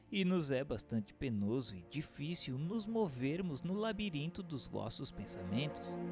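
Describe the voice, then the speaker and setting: A man reads a scripted book for radio in a formal, measured, didactic way. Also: medium pitch. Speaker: narrator.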